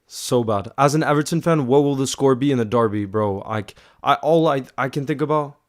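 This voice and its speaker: A young man hosting a live fan stream, chatting casually and excitedly with viewers, calling them bro and filling with you know. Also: mid-range voice, fairly quick. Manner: hyped, calls viewers bro, many you-knows. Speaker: livestream host reading fan chat. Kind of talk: casual watchalong chat.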